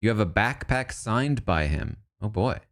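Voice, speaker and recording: A man's voice: lowish voice, expressive, measured pace. A man casually commenting and thinking aloud as he reacts to news about a reality show cast. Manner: musing, thinks aloud, asides.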